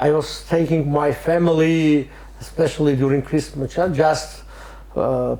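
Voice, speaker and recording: A man speaks fairly slowly while noticeable background noise continues behind him. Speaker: interviewer. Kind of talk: casual conversation. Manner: halting, many fillers.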